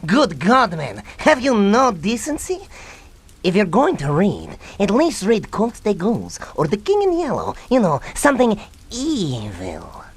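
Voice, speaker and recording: An actor, a man, playing a petulant young mad scientist villain with a pompous, excitable delivery in a comedic radio drama. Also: sits high, a little slow, husky, heavily acted. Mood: haughty, scornful. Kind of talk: comedic old-time radio drama acting.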